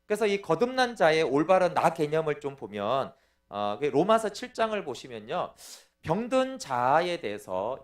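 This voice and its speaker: A middle-aged man, a pastor, giving a teaching sermon in an explanatory way and often checking in with his listeners. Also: fairly high pitch. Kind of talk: sermon lecture.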